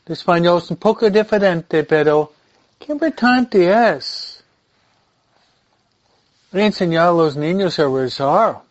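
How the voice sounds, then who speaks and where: A male Catholic priest, a native English speaker with an English accent, giving an informal religious talk in a deliberate, halting way with repeated phrases. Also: a little high, dull audio. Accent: English-speaking accent in Spanish. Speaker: Catholic priest leading an online prayer group.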